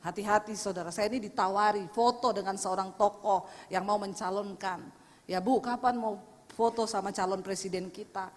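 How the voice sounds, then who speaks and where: A middle-aged woman pastor, preaching a sermon full of stories, blunt and humorous, who moves from quiet asides to loud emphatic preaching. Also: mid-range voice, fairly even intonation, moderate pace. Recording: long hall reverb.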